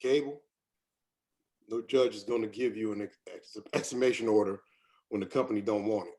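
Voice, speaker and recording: A man's voice: fairly low pitch, a little fast, a little mellow, close to an everyday voice. A man playing a weary, defensive company doctor, bitter and resigned, in a screenplay table read. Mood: evasive.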